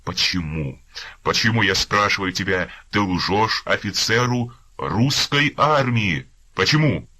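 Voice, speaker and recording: A man voicing a brutal, volatile army staff captain who swings between shouting and false tenderness. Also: mid-range voice, sing-song, slow pace, pitched above the performer's own voice, exaggerated voice. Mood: raging.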